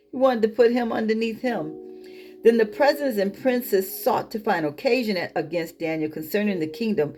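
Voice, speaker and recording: A woman's voice: medium pitch, darkish tone. Woman teaching scripture over music. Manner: colloquial, emphatic asides. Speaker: Bible teacher. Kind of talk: scripture reading with informal commentary.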